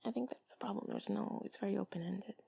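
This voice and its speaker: A woman talking intimately and soothingly to the listener in a soft, breathy, mostly whispered ASMR style, rambling in a confiding way close to the mic. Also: medium pitch, fast talker, no echo. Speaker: intimate comfort audio creator.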